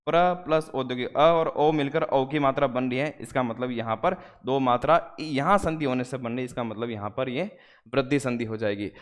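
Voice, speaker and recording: A man teaching an exam-prep grammar lesson, explaining step by step and slowing down to spell out the parts of each word. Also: medium pitch, in a large hall.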